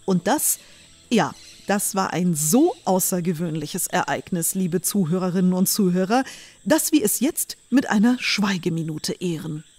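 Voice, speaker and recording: A woman's voice: lowish voice, lively intonation, moderate pace, a little mellow. Woman narrating a fairy tale over music. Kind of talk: scripted fairy-tale audio drama narration. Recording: music under the voice.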